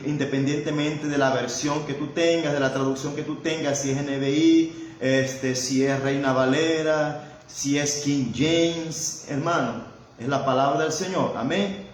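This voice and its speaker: A man preaching a sermon who keeps adding amén and invocations of Jesus, and often stalls and repeats words while he searches for them. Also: a little high. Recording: very echoey room with faint background noise.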